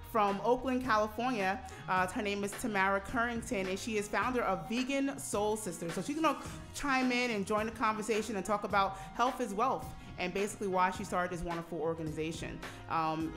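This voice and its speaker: A woman in her forties hosts a radio show from a studio mic, talking in a loose, chatty way with lots of "um"s and quick laughs. Her voice sits at an ordinary middle pitch. Faint music plays underneath. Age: 40s. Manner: chatty, laughs easily, many fillers. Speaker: radio host. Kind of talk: casual radio talk. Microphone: studio microphone.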